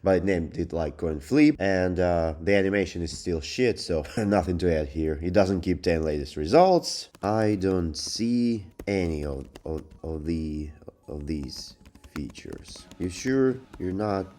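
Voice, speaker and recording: A man's voice: low voice, lively intonation, a little slow, dark tone. A man giving casual, unscripted review commentary in a hesitant, rambling, sardonic way. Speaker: YouTube software reviewer.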